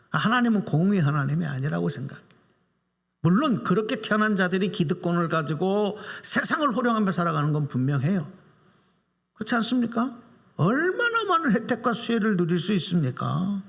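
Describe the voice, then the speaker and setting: A high, creaky male voice carries through a reverberant church hall. It belongs to a pastor giving an animated Sunday sermon in the sanctuary, putting questions to those gathered.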